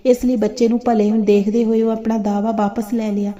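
A woman voicing a calm, wise male holy man who lectures sternly as he judges a dispute. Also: a little high, fairly quick, lightly acted. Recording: dull lo-fi recording.

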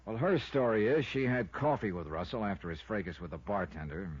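An American man playing a tough, sardonic but soft-hearted investigator in a 1950s radio drama, with clipped, wry delivery. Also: fairly low pitch, brisk, husky, no room sound. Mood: wry, frustrated. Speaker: lead actor and narrator. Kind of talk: 1950s radio detective acting. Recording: dull, muffled vintage radio recording.

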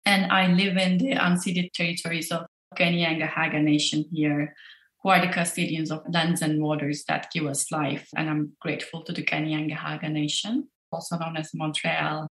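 A woman's voice: sits low, level tone, normal speed, fairly bright tone, echoey room, low-quality recording. A woman in her early forties from Turkey, a professor, answering interview questions thoughtfully from her office. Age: early 40s. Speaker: professor and lab director.

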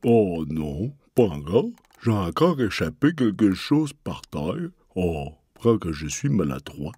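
A man's voice: deep voice, very animated, slow pace, mellow, slightly rough, no room sound, voice pushed down, heavily acted. A man voicing a glum, doleful, clumsy cartoon oaf.

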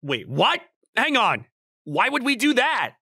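Exasperated, animated young office guy, played by a man. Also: extremely high pitch, unhurried, creaky, slightly rough, full character voice. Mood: startled. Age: young adult. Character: flustered, skeptical young office worker at matchmaking meeting. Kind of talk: manga dub acting with inner narration.

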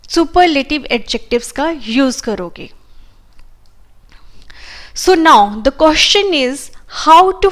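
A woman's voice: high voice, a bit bright. A woman with an Indian English accent teaching a grammar lesson, patiently repeating each rule with examples. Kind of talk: explaining a grammar lesson in Hindi with English terms.

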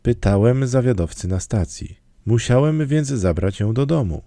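A man's voice: medium pitch, animated, moderate pace, dry recording, lightly acted. A man voicing a shy old farmer. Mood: timid. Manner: hesitant, mild, soft-spoken. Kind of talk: audiobook character reading.

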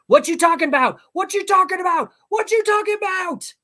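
Brief: a whiny brat of a boy in a storybook, shrill and grating, high and yelling. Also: fairly quick. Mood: shrieking. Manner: piercing, abrasive, chanting. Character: whiny bratty young schoolboy shrieking a catchphrase.

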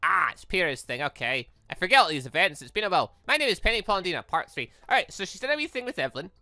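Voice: mid-range voice, big pitch swings, very fast, pushed and bright, dry recording, soft background music. A gaming host doing let's-play commentary, reading visual novel dialogue aloud with exclamatory, playful asides.

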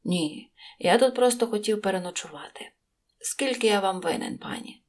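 A woman voicing a quiet, kind male traveller in a storybook, speaking calmly and with few words. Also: mid-range voice, normal speed, close to an everyday voice. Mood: restrained. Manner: calm, restrained, few words.

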